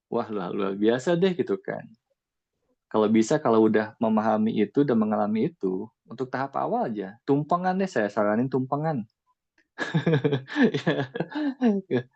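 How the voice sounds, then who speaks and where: Man, spiritual talk, conversational, rhetorical questions, mellow dark tone, slightly muffled recording. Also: medium pitch, creaky. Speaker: spiritual teacher. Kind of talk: casual spiritual talk to a group.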